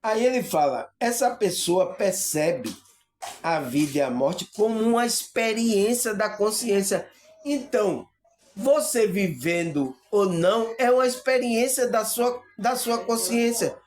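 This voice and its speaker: Slow-speaking Bahian man teaching spirituality. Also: high voice, lively intonation. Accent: Bahian Brazilian Portuguese. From Salvador, Bahia, Brazil. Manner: keeps asking viewers if they understand, hesitant fillers. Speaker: spiritual video host. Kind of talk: spiritual teaching monologue to camera.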